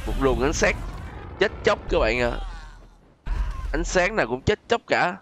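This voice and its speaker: A man's voice: on the high side, very animated, unhurried. A man hosting a gaming video with casual, chatty gameplay commentary, exclaiming often and addressing viewers as friends. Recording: voice over loud game music and effects.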